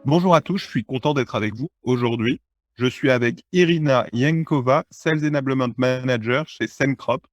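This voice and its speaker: A man hosting a podcast, opening with a scripted intro and then asking a guest questions in a relaxed way. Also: medium pitch, moderate pace, no room sound, clean studio sound, faint music behind. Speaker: podcast host.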